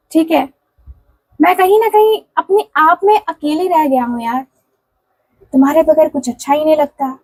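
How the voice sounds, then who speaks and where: High-voiced woman giving an earnest reading. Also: rough recording. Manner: earnest, pleading, repetitive, with casual fillers. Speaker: tarot and candle wax reader. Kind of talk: channeled love message in first person.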